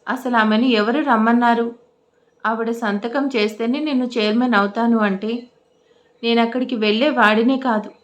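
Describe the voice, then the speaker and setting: A woman doing a bitter young man in an audio story, scolding tone, fairly high voice. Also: steady tone, normal speed, natural voice. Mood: resentful. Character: angry, resentful young man, a son.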